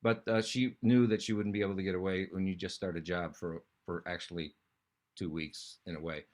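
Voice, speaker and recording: A man's voice: deep voice, fairly even intonation, brisk. A man hosting a casual interview, rambling before asking his guest questions. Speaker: host.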